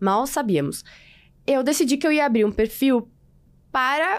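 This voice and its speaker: Speaking at a moderate pace, a woman with a high voice moves through very wide pitch swings. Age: 20s. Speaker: wellness communicator and podcaster. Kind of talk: interview conversation. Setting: studio. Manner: talkative.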